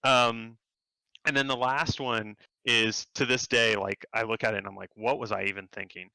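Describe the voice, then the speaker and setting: Gravelly, bright-toned man telling stories. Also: normal speed, no room sound, low-quality recording. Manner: animated, acts out quotes in a higher voice. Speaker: game developer guest. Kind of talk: casual storytelling interview.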